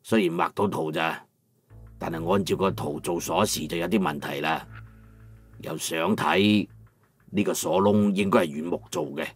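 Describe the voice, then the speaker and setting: Old cantonese craftsman, deep voice, emphatic and proud, audio drama, bit of music under it. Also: moderate pace, husky. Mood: businesslike. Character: aged master locksmith, proud, emotional, grateful craftsman. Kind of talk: dramatized audiobook character acting.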